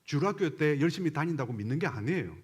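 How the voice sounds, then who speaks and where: Husky, animated pastor preaching. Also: male voice, fairly high pitch, quick pace. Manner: animated, asks the congregation questions. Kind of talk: sermon.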